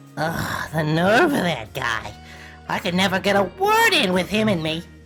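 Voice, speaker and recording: A cartoonish character voice at a middle pitch talks at a moderate pace while clear music plays in the background. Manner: slangy, tough-guy swagger.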